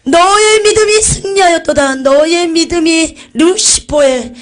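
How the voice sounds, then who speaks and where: A woman voicing Jesus speaking from his throne, proclaiming slowly and loudly in a high voice within her testimony. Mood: exalted joyful. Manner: slow, loud, high proclaiming voice. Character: Jesus speaking from a throne, male, exalted and commanding. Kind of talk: acted quote within a testimony.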